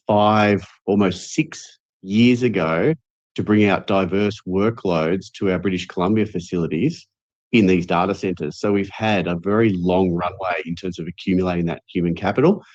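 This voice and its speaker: A male executive explains things in an assured way on an earnings call. His voice is on the low side, heard dry through slightly dull, lo-fi audio. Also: darkish tone, no room sound. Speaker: company executive.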